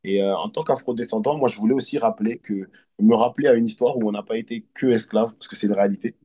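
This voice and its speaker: Man from Côte d'Ivoire, hypnotist guest; low husky voice, reflective and earnest. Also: fast, dark tone. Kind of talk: casual interview conversation.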